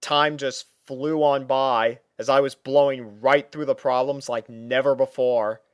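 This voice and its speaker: Guy narrating a fanfic, slow pace, smooth clear voice, dry recording. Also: mid-range voice, steady tone, dry recording. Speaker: fan fiction reader and narrator. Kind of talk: first-person scripted story narration.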